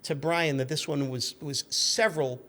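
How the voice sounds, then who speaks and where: A man in his fifties telling anecdotes in an animated, chatty way as a podcast guest. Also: fairly high pitch, moderate pace. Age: 50s. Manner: chatty, acts out quoted shouts. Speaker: podcast guest, magazine editor.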